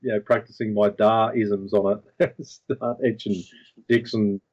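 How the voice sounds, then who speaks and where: A man hosting a podcast in a relaxed, casual way, laughing often. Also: on the low side, a little slow, highs cut off. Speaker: podcast host.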